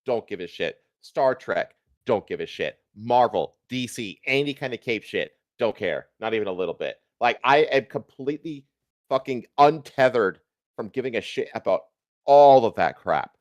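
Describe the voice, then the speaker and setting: A man's voice: medium pitch, expressive, normal speed, a little mellow, dry recording. A man hosting a livestream, ranting casually with emphatic, repetitive, profane talk. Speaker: livestream host.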